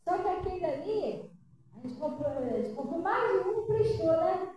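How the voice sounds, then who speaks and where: A woman's voice: very high voice, expressive, normal speed, warm tone, muffled recording. An older woman pastor giving a conversational sermon, often asking the congregation questions. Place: church hall. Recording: echoey hall, distant mic, noisy.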